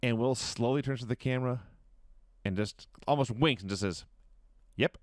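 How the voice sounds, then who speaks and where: Smooth-voiced man recapping a wrestling match. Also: mid-range voice, fairly quick, no room sound. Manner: animated storyteller, swearing, chuckling. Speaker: podcast co-host. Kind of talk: casual wrestling recap chat.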